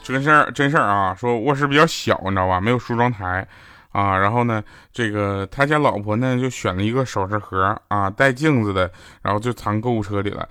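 A man's voice: on the low side, fairly quick, bright, forceful tone, no room sound. A man hosting a comedy show, telling funny stories in a chatty, teasing way. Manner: chatty, teasing, acts out quoted lines. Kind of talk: comic storytelling monologue. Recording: clear background music under the voice.

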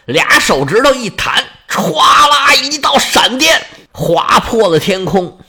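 A man's voice: very high-pitched, big pitch swings, takes it slowly, sharp tone, slightly rough. A man narrating a story dramatically, making sound effects with his voice.

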